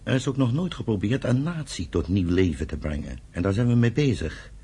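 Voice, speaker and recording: A man's voice: fairly low pitch, lively intonation, a little fast, mellow, breathy edge. A man playing a fiery, proud young Jewish pioneer settler in a radio drama, with an emphatic, commanding way of talking. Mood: earnest, teasing. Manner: commanding, emphatic, declamatory when roused. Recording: noisy old radio play recording.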